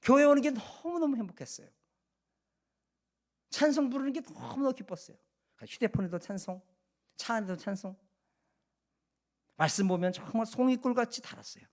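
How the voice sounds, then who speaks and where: A male pastor with a high voice delivers an emphatic sermon in a church. He keeps turning to the congregation with rhetorical questions and drives his points home. The voice sits well above the usual male range. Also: lively intonation, moderate pace, pauses often. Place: church sanctuary.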